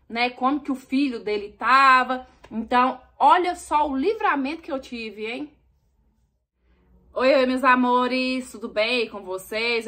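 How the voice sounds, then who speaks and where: A young Brazilian woman telling a story to her viewers, animated, acting out the dialogue. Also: high voice. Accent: Brazilian Portuguese.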